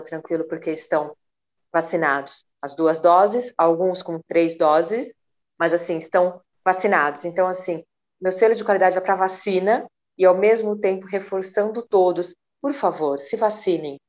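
Earnest lower-voiced woman, dull lo-fi sound. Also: a little mellow. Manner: earnest, urging, addresses listeners directly. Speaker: podcast co-host. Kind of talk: casual chat.

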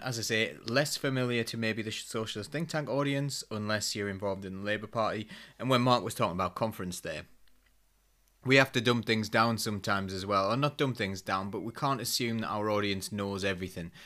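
A man with a fairly low voice hosts a live discussion show. He speaks casually and rambles a little, often playing himself down as he steers the talk. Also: sharp tone. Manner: rambling, self-deprecating. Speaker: host.

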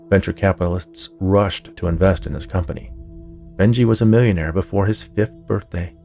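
Creaky low-voiced man narrating fiction. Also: mellow. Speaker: podcast narrator, writer and producer. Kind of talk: scripted fiction narration, bedtime-story podcast.

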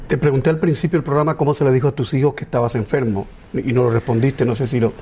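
A man hosting a television interview who asks one probing follow-up after another. He talks fast in a mellow, relaxed voice. A faint ambience sits behind him. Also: medium pitch, a little hiss or hum. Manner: inquisitive, quick follow-up questions. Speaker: TV talk show host.

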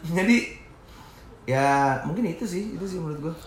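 A restaurant founder in his thirties, a guest in a casual, slangy interview, tells stories about his business, laughs often, and drops in English phrases. His voice sits high and sounds animated and fairly quick, with a roomy sound.

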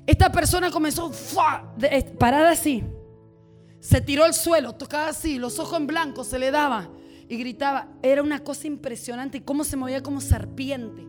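Woman, preacher, animated sermon storytelling, high pitch, faint music. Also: a little fast. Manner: animated storytelling, shouting at peaks.

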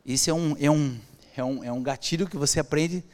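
A man with a Brazilian Portuguese accent telling a personal story as a podcast guest, acting out the dialogue in an animated way. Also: on the high side, fairly quick. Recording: long hall reverb.

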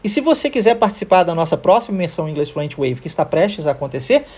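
Husky Brazilian man teaching English. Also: a little high, big pitch swings, quick pace, darkish tone. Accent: Brazilian Portuguese. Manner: explanatory, checks in with "tá?" and "ok?". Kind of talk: podcast language lesson.

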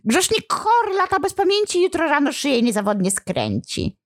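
A woman voicing a cunning male demon who whines and pleads in a squealing high voice. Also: sing-song, moderate pace, no echo, clean studio sound. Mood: whining.

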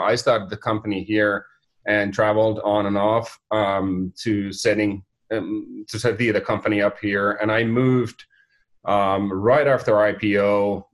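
A middle-aged man from Finland speaks English with a Finnish accent. He is a guest on a business chat show, and he talks in a halting way full of fillers and restarts. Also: on the low side. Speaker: company founder, guest. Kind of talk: casual interview talk.

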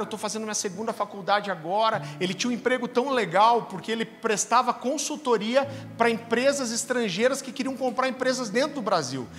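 A man's voice: high-pitched, a bit bright. A man, a pastor telling a story in a sermon and acting out the dialogue with animation. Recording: long hall reverb with faint music.

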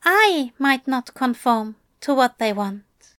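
A woman's voice: sits high, animated, slow pace, fairly bright tone, smooth, voice pushed up, full character voice. A woman voicing an anxious, earnest male angel who pours out fretful confessions in a raised voice.

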